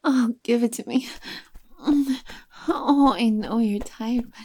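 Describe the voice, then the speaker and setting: A woman playing a predatory, seductive female creature that drains life, speaking in a breathy, whispered, domineering tone in an erotic audio roleplay. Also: a little high, slow pace, warm tone.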